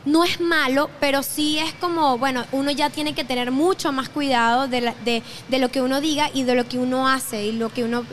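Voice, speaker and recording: A woman's voice: high-pitched, steady tone, a little fast, hardly any pauses, slight background noise. A young woman with a Venezuelan accent, a podcast guest talking casually and often restarting her sentences. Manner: chatty, self-correcting, laughs easily. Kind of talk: casual interview chat.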